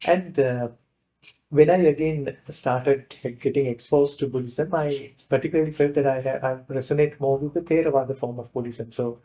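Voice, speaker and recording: A man with a soft, mellow tone and a Sri Lankan accent teaches as a monk would in class. His pitch sits in the middle range, and he explains things informally, pausing often to find another wording. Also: low-quality recording. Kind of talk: informal lecture.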